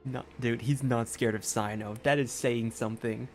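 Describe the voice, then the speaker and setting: A man's voice: medium pitch, steady tone, moderate pace, faint music behind. A man giving casual, enthusiastic, slangy commentary as a gaming streamer. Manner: slangy, rambling.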